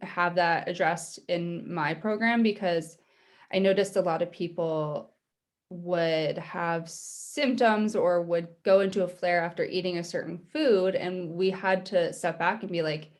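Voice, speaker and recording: Woman, mid-twenties, dietitian podcast host, friendly, affirming, slightly low voice. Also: steady tone, a little slow. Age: 20s. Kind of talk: interview conversation.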